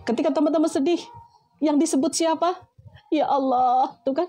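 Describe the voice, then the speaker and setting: Woman, preacher, high voice, rhetorical questions, soft music under. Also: steady tone, quick pace. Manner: addresses listeners as friends, asks rhetorical questions. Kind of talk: motivational religious talk.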